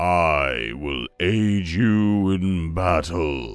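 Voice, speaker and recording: A man speaks in a put-on character voice, very deep and low, with lively intonation. Faint music plays in the background. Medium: read story. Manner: slow, commanding.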